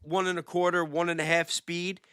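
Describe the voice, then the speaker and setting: A man hosting a casual livestream chat, talking excitedly and repeating phrases for emphasis. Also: sits high, moderate pace, clean tone, no room sound, studio quality. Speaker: livestream host with a small channel.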